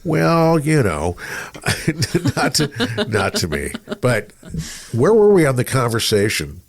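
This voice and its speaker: A mature man from East Texas, a radio personality, reminiscing casually as a podcast guest in a halting, trailing way. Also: mid-range voice, huge pitch swings. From East Texas, USA.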